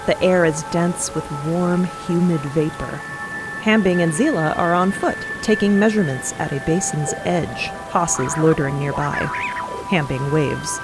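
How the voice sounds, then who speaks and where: A woman's voice: sits low, unhurried, music in the background, low-quality recording. A woman narrating a scripted fiction podcast as one of its storytellers.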